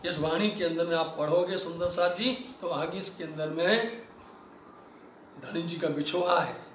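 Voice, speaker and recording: A man's voice: a little high, fairly even intonation, a little slow, a bit bright, slight background noise. A male preacher gives a devotional sermon, chanting scripture lines and then explaining them with fervor to the gathered listeners. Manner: addresses the listeners repeatedly. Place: religious festival gathering. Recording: echoey hall, voice from far off the mic.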